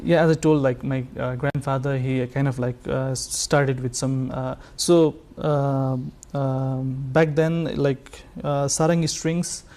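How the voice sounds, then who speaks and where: A man from Nepal, a sarangi player chatting as a guest, halting and full of fillers. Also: medium pitch, fairly even intonation, a little mellow. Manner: halting, many fillers like "uh" and "like", friendly. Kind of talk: casual interview chat.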